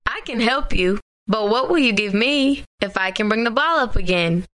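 A woman's voice: a little high, expressive, normal speed, fairly bright tone. A woman doing a coaxing little frog. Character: pleading small male frog, persistent.

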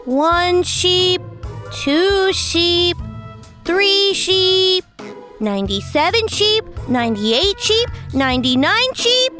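An actor voicing a sleepless, fretful little boy prince in a bedtime storybook, with slow singsong counting and plaintive sighs. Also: extremely high pitch, lively intonation, music in the background, heavily acted. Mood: drowsy counting. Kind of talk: storybook character voice.

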